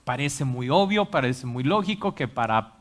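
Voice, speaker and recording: Animated preacher. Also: medium pitch, normal speed. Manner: animated, acts out quotes, asks the audience questions. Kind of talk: live sermon to a congregation. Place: church hall with a congregation.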